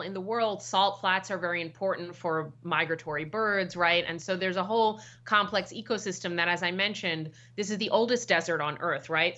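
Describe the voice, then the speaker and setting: A woman's voice: on the low side, pushed and bright, highs cut off. A middle-aged American woman, a professor guest, explaining at length in a podcast interview and often checking in with "right?". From United States. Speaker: guest expert, political science professor.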